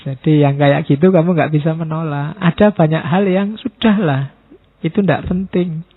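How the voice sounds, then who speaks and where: A man lectures students in a mosque hall, teasing and casual. His voice sits a little high. The sound is thin and tinny, like a phone line. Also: moderate pace. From Indonesia. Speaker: lecturer on philosophy.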